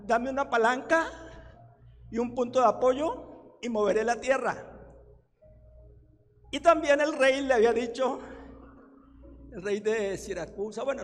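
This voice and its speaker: Older man, Colombian accent, pastor's sermon, very high voice, long church reverb. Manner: anecdotal, folksy, bursts into shouts.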